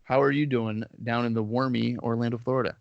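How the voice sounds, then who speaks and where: A man's voice: mid-range voice, fairly even intonation, fairly quick, creaky, dry recording, lo-fi sound. A man hosting a podcast, talking in an easygoing, joking way with a stuffy head cold, on his own microphone over an internet call. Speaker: podcast host. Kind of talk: casual chat.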